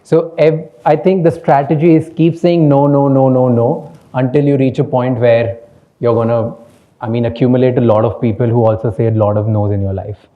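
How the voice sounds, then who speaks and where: A man's voice: mid-range voice, fairly even intonation, normal speed, narrow, tinny audio. A man with an Indian accent whose first language is Hindi, a podcast host speaking candidly on a panel, slipping between English and Hindi and laughing often. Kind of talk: panel talk.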